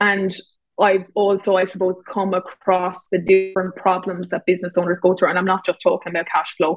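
Speaking at a fairly quick pace in an Irish accent, a woman keeps a medium pitch with monotone, flat intonation. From Ireland. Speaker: bookkeeper and business owner. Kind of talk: casual chat.

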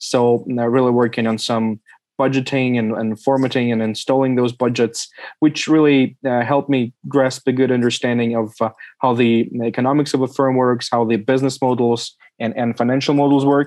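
In a Russian accent, a man speaks at a moderate pace in a medium pitch with monotone, flat intonation. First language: German. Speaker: logistics and e-commerce expert. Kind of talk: casual interview discussion. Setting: video call.

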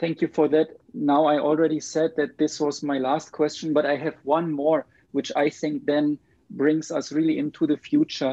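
A man's fairly high voice with a German accent, dark, mellow tone and monotone, flat intonation at a moderate pace, in a dry, close sound with no echo. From Germany. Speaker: podcast host. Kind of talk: interview. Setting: remote podcast recording.

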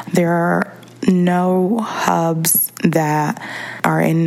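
Noticeable background noise surrounds a woman speaking. Her fairly low pitch stays in fairly even intonation. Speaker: entrepreneur, co-founder. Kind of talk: interview answers, casual.

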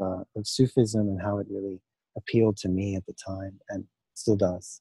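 Somewhat breathy and dark, mellow in tone, a man talks at a fairly low pitch and a moderate pace, with a dry, close sound and no echo. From England. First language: Farsi. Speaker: sound healer and musician. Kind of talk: casual interview chat.

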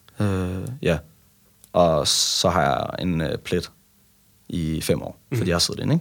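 Pausing often and at length, a man delivers his words fairly slowly. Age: 20s. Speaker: bodybuilder and personal trainer. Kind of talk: interview. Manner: halting.

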